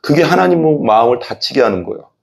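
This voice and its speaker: A man's voice: mid-range voice, fast, vocal fry. Male pastor preaching a sermon, voices the quotes himself and asks the congregation questions. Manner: animated, acts out voices in quoted dialogue; asks the congregation questions and has them repeat.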